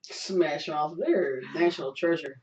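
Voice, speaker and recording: Hoarse joking man, echoey lo-fi webcast. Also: on the high side, a little slow, darkish tone, slight background noise. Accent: Chicago. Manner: joking, teasing banter. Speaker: podcast co-host. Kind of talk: casual chat. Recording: echoey room, dull lo-fi sound.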